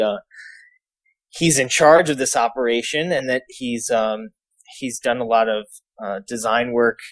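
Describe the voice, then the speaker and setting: Male podcast co-host, medium pitch, casual, halting delivery with pauses. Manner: halting, pauses mid-thought. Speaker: podcast co-host, game creative director.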